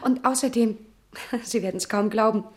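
An actress playing a polite, frank young housemaid in a German radio crime drama, speaking in a composed, matter-of-fact way. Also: female voice, on the high side, normal speed, natural voice. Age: young adult. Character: self-possessed young housemaid, female, twenty-one, polite, frank.

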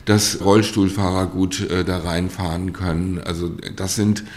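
A male design professor speaking casually in an interview, halting with fillers. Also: sits low, little pitch movement. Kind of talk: interview soundbite.

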